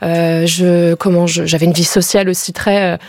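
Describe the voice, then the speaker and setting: A woman's voice: on the low side, level tone, normal speed, darkish tone, dry recording, clean studio sound. A young woman from northern France, a radio guest telling her story with hesitant speech and many fillers. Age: young adult. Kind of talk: personal testimony. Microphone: studio microphone.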